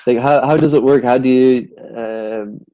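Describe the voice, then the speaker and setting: A man's voice: medium pitch, steady tone, normal speed, dark tone, dry recording, lo-fi sound. A man from the Netherlands with a Dutch accent tinged with British English, chatting casually as a podcast guest and filling his talk with "like". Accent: Dutch with some British English. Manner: rambling, heavy use of "like". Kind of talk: casual conversation.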